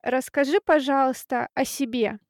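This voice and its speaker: A woman from Russia hosting a podcast with prepared introductions and deliberate, learner-friendly delivery. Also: sits high, dry recording, clean studio sound. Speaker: podcast host.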